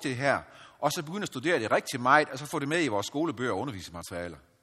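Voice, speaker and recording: On a very clean recording with a silent background, a man's bright, sharp voice carries vocal fry and very wide pitch swings. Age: 50s. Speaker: engineer and lay speaker. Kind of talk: lecture.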